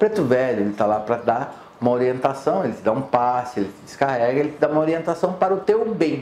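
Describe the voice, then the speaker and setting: A man's very fast speech with very wide pitch swings, audible room echo and light background noise. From Brazil. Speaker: Umbanda teacher and video host; Umbanda teacher, video host. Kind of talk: Q&A show answering viewer questions. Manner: animated. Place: studio. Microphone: lapel.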